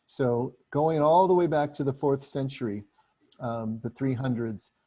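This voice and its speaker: A man leading a group book study, explaining passages in a relaxed, chatty way with frequent restarts. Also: mid-range voice, unhurried.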